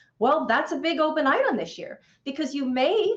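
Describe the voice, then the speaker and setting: Speaking at a fairly quick pace, a woman moves through very wide pitch swings. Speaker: tax expert. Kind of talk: webinar presentation. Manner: fast.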